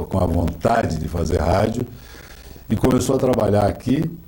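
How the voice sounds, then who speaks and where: The speaker uses lively intonation over noticeable background noise. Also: man. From northwest Paraná, Brazil. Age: 50s. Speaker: interviewee, former radio professional. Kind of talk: oral history interview.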